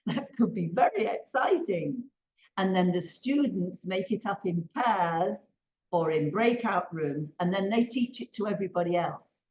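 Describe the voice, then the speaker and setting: An older woman training teachers, leading a slow, emphatic interactive drama exercise over a video call. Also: fairly low pitch, animated, darkish tone, roomy sound, highs cut off. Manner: slow, emphatic, leads call-and-response chants. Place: home room on a video call.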